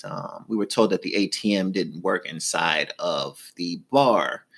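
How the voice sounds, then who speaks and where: A man in his thirties co-hosting a casual podcast, telling stories in a playful, drawn-out way with frequent ums. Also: lowish voice, gravelly, a bit bright. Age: 30s. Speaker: podcast co-host. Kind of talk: casual chat.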